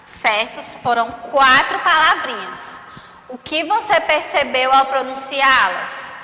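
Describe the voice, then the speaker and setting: A woman's voice: sits high, lively intonation, slow, sharp tone. A Brazilian woman teaching young children in a remote lesson, stretching out syllables and checking in with frequent tag questions. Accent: Brazilian Portuguese. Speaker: primary school teacher. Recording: roomy echo, long reverb.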